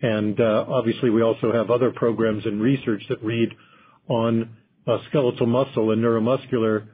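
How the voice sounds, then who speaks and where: A man speaking as a company executive on an investor call, giving measured, carefully qualified corporate answers. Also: mid-range voice, flat delivery, slightly rough. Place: conference call. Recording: muffled narrow phone line.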